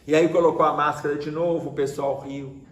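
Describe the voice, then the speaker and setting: A man's voice: fairly high pitch, fairly quick. A man with a Brazilian Portuguese accent, telling a story conversationally in a religious study talk and acting out dialogue. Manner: lively, conversational retelling with acted-out dialogue. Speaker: spiritist study speaker. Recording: roomy echo with faint background hiss.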